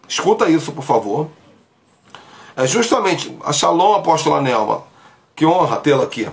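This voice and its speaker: A man preaching on a live stream from a small bedroom, emphatic and talking straight to his viewers through a phone camera while sick with covid. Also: on the high side. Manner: emphatic, gestures broadly, speaks to viewers directly. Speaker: pastor. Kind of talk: livestream preaching. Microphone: phone camera at arm's length.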